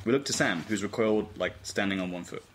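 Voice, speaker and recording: A man's voice: lowish voice, fast. A man reading stage directions as narrator in a scripted table read. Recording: noisy informal room recording.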